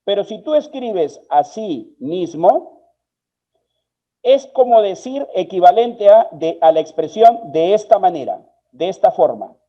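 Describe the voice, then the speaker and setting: A man from Peru gives an online workshop lecture on spelling and grammar, explaining each rule step by step. His voice sits a little high for a man. The stream audio is slightly dull and lo-fi. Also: expressive, normal speed. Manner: patient, explanatory, answers viewers' questions by name. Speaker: spelling and writing instructor.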